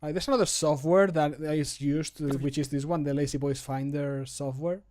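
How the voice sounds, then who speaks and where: A man's voice: fairly high pitch, steady tone, moderate pace, a little mellow. A man in his thirties chatting casually as a streamer while he works. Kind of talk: casual chat while recording voice lines. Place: small home room.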